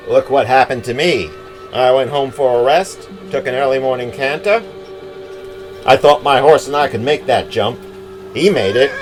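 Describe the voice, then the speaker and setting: A man playing a calm, wry ghost of a senator killed riding a horse, in a radio drama. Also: mid-range voice, natural voice. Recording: music bed behind.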